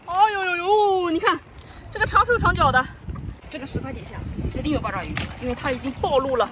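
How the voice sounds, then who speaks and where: A woman vlogging as she forages on a rocky seashore, giving excited live commentary full of delighted cries. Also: sits high, fast talker, background noise. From Shandong, China. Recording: distant mic with loud outdoor ambience.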